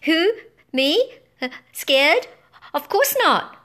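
A woman voicing a timid male mouse hero who squeaks and stammers. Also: big pitch swings, drawn-out words, fairly bright tone, exaggerated voice. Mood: nervous squeaking.

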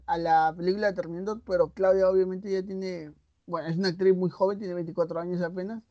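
High-voiced male podcast host, dry lo-fi sound. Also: fairly even intonation, fast, dark tone, no echo. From Latin America. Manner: curious, easygoing questioning. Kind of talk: casual interview. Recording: dry, dull lo-fi recording.

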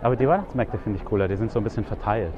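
A man's voice: on the low side, lively intonation, background noise. A man in casual, flirty street chat, a playful host striking up a conversation with a stranger. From Nuremberg, Germany. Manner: flirty, playful, quick-talking. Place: busy outdoor street with traffic. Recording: dull sound on a crowded street. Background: crowd chatter and passing vehicles.

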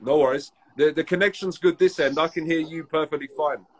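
A man in his thirties from England, stuffy with a cold, talking haltingly with many fillers as a guest musician on a call. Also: a little high, steady tone, breathy edge. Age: 30s. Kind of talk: casual interview over a call.

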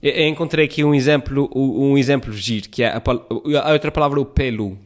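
A man's voice: mid-range voice, brisk. A man with a European Portuguese accent, ranting to his viewers in a casual, rambling and sarcastic way, often restarting his sentences. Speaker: vlogger. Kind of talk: casual talk to camera.

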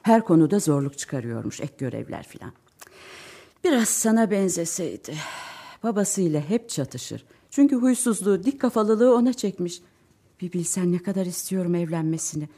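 An actress voices a worried, fretful yet warm-hearted middle-aged mother for a radio drama, chatty and emotional as she alternates between sighing and bursting out. Her mid-range, mellow voice is expressive and moves at a normal speed.

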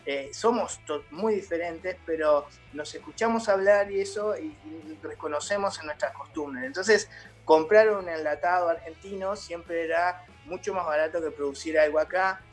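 Casting: middle-aged Uruguayan man, a little high, halting guest chat over faint music. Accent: Uruguayan Spanish. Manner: hesitant, many fillers and restarts. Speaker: theatre company founder, guest. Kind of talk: casual interview chat.

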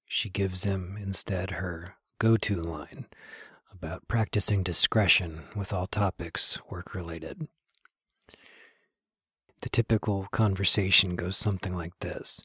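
A man reading scripted podcast narration in a reflective, wry, measured way, like a storyteller. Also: deep voice, steady tone, fairly bright tone, breathy edge, no room sound, clean studio sound. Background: music.

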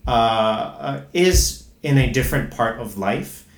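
A man talking as a podcast guest, halting and full of fillers and restarts, now and then switching into Indonesian. His voice sits in a middle register. The room around him adds a noticeable echo. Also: medium pitch, lively intonation. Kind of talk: casual conversation.

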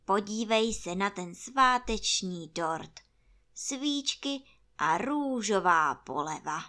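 A woman voicing a gloomy, self-pitying old male donkey who talks slowly and mournfully in a storybook reading. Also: medium pitch, expressive, pushed and bright. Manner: slow, sighing, self-pitying.

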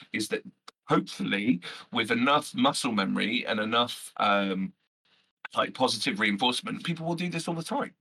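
Man, loud brash voice, bright and forceful, husky edge, podcast guest. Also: fairly low pitch, rough recording. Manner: animated, swears freely, many fillers. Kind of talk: passionate casual chat.

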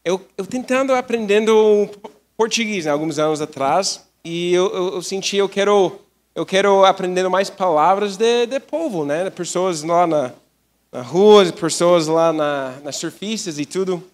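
Man, American pastor, broken learner's Portuguese, slightly high voice, church hall reverb. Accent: American English. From United States. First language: English. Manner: halting learner's Portuguese, jokey asides. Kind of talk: sermon with live interpreter.

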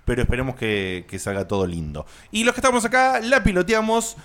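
A man's voice: sits high, fairly quick, a bit bright. A man with an Argentine accent hosting a casual podcast chat in a cheerful, chatty way. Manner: chatty, cheerful, introducing each co-host. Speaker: podcast host.

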